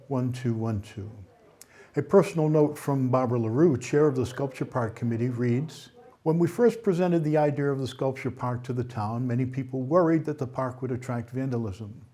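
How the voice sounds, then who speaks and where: A man's voice: mid-range voice, mellow. A man anchoring a weekly local news roundup, reading items evenly and adding small off-script remarks. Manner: reads evenly with small ad-libs.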